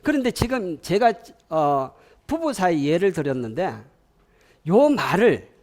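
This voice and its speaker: Animated Gyeongsang-accented male lecturer. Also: sits high, a little slow. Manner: animated, asks the audience questions and has them repeat lines. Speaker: parenting lecturer. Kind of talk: public lecture to parents.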